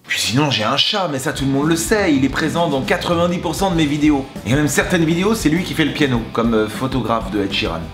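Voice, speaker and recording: A man's voice: fairly high pitch, expressive, quick pace, few pauses, echoey room, music in the background. A man, a singer and YouTuber, answers fan questions in a playful, chatty vlog style. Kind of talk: casual vlog Q&A.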